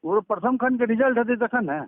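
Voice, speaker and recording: A man serving as a university examination controller answers questions in short, factual replies. His voice sits high. The line is tinny and dry, like a phone call. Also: animated, a little fast, no echo. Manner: brief, matter-of-fact answers. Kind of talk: phone conversation.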